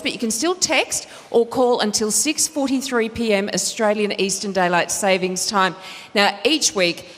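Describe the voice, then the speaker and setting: A woman's voice: mid-range voice, big-room sound. A woman hosting a TV show, presenting in a playful, teasing way. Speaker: host. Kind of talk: scripted TV presenting.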